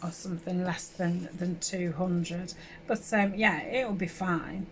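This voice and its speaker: A sounding woman with a gravelly, slightly hoarse voice from a summer cold talks through a crafting project at her table. She rambles in a friendly, unpolished way, full of fillers and self-corrections, with a faint hiss under the home recording. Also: fairly low pitch, steady tone, slow pace. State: sore throat from a summer cold. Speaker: craft channel host. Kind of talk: casual crafting tutorial.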